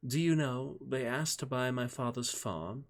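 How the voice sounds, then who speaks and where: Man voicing an elegant British young woman, lifted pitch. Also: unhurried, close to an everyday voice. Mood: playful, teasing.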